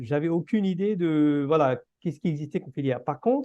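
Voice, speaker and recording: The speaker is a man. He talks with a Tamil accent. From India, Pondicherry (French school). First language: Tamil (speaking French). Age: 50s. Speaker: innovation researcher. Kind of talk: podcast interview. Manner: hesitant, many fillers.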